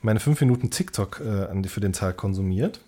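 A man's voice: fairly low pitch, expressive, fairly quick, mellow. A man co-hosting a podcast in casual, unscripted chat, explaining things in a rambling, searching way and often rephrasing. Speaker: podcast co-host.

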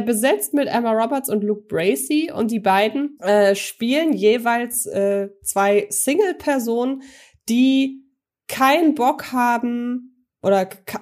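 A woman's voice: fairly high pitch, darkish tone. Chatty woman presenting her film picks. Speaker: podcast co-host. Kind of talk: casual film chat.

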